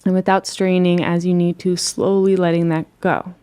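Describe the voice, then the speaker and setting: A woman leading a guided relaxation as a meditation teacher, speaking in a soothing, gentle and unhurried way. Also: lowish voice, flat delivery, smooth.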